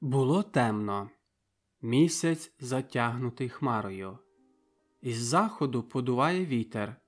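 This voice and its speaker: Slow male audiobook narrator. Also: mid-range voice, expressive, soft background music. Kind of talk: scripted narration.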